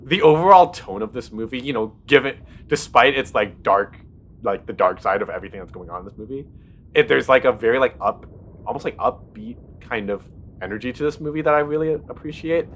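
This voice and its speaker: Male co-host, easygoing and wandering, mid-pitched voice. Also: a little fast, a bit bright. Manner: meandering, many likes and ums. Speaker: podcast co-host. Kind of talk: casual movie chat.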